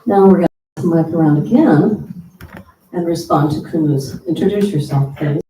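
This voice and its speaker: A woman's voice: on the low side, unhurried. A woman hosting a church service, giving announcements and welcoming guests in an earnest, heartfelt way. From United States. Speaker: service host. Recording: roomy, distant mic with faint hum.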